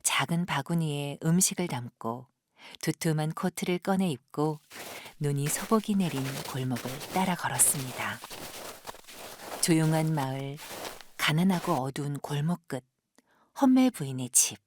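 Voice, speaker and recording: A woman narrating an audio drama like a storyteller, gentle and measured, with breathy sentence endings. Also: sits low, expressive, a little hiss or hum. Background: music.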